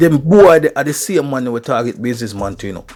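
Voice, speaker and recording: A man with a Jamaican accent speaks with ordinary pitch variation over noticeable background noise. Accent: Jamaican, Patois-inflected English. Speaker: online news commentator. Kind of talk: news commentary. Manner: animated.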